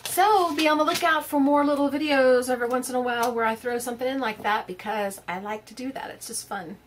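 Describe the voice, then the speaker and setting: A woman's voice: high voice, fast talker, slight background noise. Chatty woman in her fifties. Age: 50s. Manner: chatty, rambling, many fillers and restarts. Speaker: crafting vlogger. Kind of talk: casual chat to camera.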